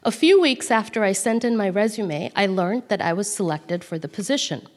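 A woman from Calcutta whose first language is Bengali, reading aloud from her own memoir in a measured, quiet voice. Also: mid-range voice, lively intonation. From Calcutta, India. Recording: long hall reverb.

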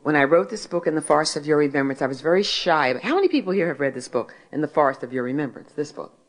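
A Philadelphia woman in her sixties, an author and speaker, gives a faith testimony to a gathered audience in a low, deep voice. She tells her story at a warm pace, posing questions and answering them herself. Her intonation is lively, and she talks fast.

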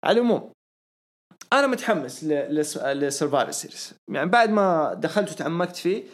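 A hoarse man, hosting a casual podcast and sharing rambling, excitable opinions. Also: fairly high pitch, fast. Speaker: podcast host. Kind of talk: casual wrestling podcast chat.

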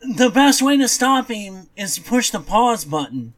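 Мужчина с довольно высоким голосом, прямолинейный. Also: male voice, high voice, very animated, unhurried. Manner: blunt, dismissive, swears casually. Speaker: podcast co-host. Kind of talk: casual chat about comics.

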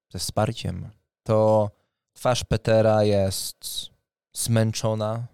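A man narrating a tabletop fantasy game as game master, with deliberate, dramatic phrasing and pauses. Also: lowish voice, darkish tone, smooth, no room sound, clean studio sound. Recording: music under the voice.

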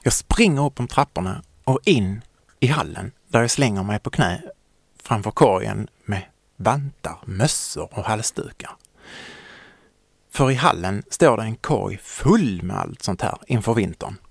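A man narrating a children's story in a gentle, lively way. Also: fairly low pitch, creaky, slightly rough, dry recording, studio quality.

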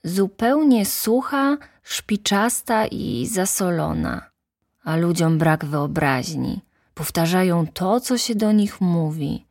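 A woman voicing the Little Prince, a gentle and lonely young boy, in an earnest, wondering storybook reading. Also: lowish voice, lively intonation, takes it slowly, no echo, studio quality, full character voice.

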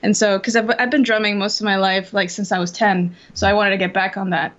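A woman's voice: medium pitch, little pitch movement, fast, a bit bright, highs cut off. A young woman from Costa Rica, chatting casually as an interview guest over a video call, full of fillers and restarts. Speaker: interview guest, Twitch drummer.

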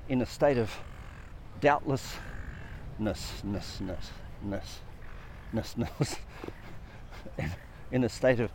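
A man's voice: mid-range voice, darkish tone. A man speaks in a mid-range voice, earnest and reflective as he talks about purpose and the soul. He piles up phrases and questions one after another. Faint traffic hums behind him. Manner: earnest, repetitive, builds lists of questions. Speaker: speaker on personal growth. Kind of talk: reflective spiritual talk.

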